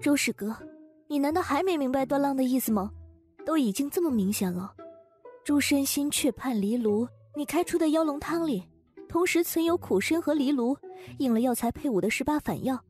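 A woman's voice: high voice, animated, normal speed, darkish tone. A woman playing a young female doctor in an audiobook, pitying and reproachful toward a colleague. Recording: music bed behind.

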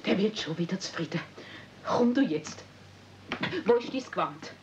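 A woman's voice: medium pitch, expressive, moderate pace, natural voice. A woman playing a pushy, scolding aunt in a radio play, nagging insistently with a Swiss German accent. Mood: impatient. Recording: muffled, noisy old 1970s audio play recording.

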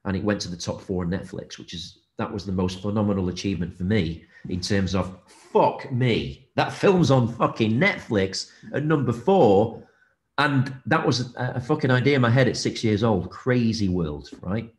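A middle-aged man with a low voice talks as a guest on a video call. He tells his own story casually, leaning on swear words for emphasis. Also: expressive, moderate pace. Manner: profane, emphatic. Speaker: interview guest. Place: indoors, plain room. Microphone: video call from a room.

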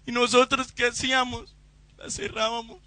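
A man preaching a Pentecostal sermon in church, fervent and rising to shouts during prayer, on a close microphone. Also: extremely high pitch, monotone, normal speed, no echo. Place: church service.

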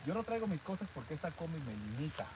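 A man's voice: fairly high pitch, big pitch swings, quick pace. A middle-aged man with a Mexican accent hosting a casual live cooking stream, chatting to viewers in informal slang from an outdoor campsite, recorded on a phone. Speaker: host of a camping cooking vlog. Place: outdoor desert campsite under a canopy. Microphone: phone camera held by another person. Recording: noisy outdoor phone video.

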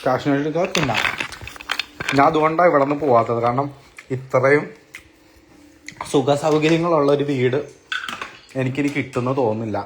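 A man's voice: mid-range voice, normal speed, pauses often. A young man chats to his viewers on a phone live stream from inside an apartment, casual and teasing. A faint hiss and the odd click sit under his voice. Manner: chatty, teasing, addresses viewers as guys. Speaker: vlogger doing a live stream. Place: apartment indoors.

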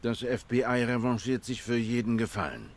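An actor playing a hard-boiled black cat private detective in a noir game, measured, serious and terse. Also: male voice, medium pitch, animated, natural voice. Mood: stern. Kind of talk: cinematic noir game acting.

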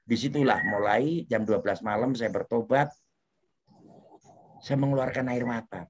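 A man's voice: mid-range voice, normal speed. A man, an interview guest, telling his life story with feeling, his voice rising when the story gets tense. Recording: dull lo-fi audio, faint noise.

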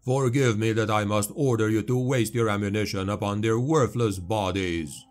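Guy doing big armored chaplain, slow and booming, sneering at the enemy, low voice. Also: natural voice. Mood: rousing. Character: armored male warrior-chaplain, contemptuous, commanding. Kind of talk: audiobook character voice.

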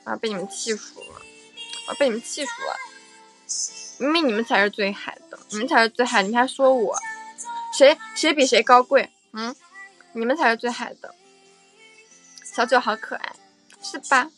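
A woman's voice: a little high, normal speed, long pauses, fairly bright tone, faint music behind. Playful, teasing young woman livestreaming. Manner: playful and teasing, repeats phrases. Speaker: livestream host. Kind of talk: casual livestream chat with viewers.

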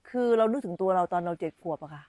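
A woman's voice: on the low side, animated, very fast, warm tone, dry recording. A woman meditation teacher giving an informal dharma talk on a live stream, chatty and repeating her phrases as she talks with children around her.

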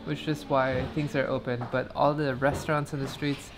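A woman's voice: extremely low pitch, flat delivery, moderate pace, over music. A woman narrating a casual travel vlog on the go, upbeat and chatty, from airports, streets and a hotel room. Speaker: travel vlogger. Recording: noisy street ambience.

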